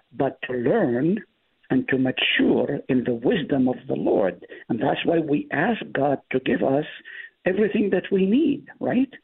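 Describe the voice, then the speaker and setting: A man's voice: medium pitch, gravelly, breathy edge. A man from the Middle East, a native Hebrew speaker, speaking as a guest pastor and explaining scripture emphatically. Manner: emphatic, explaining with rising stress. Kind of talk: Bible study discussion. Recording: tinny phone-line audio.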